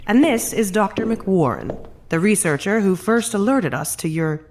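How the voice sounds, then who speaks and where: An actress playing a polite, official council member in a horror audio drama, speaking in a formal, measured way. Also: female voice, mid-range voice, expressive, a little mellow, slight background noise, close to an everyday voice. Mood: courteous, guarded.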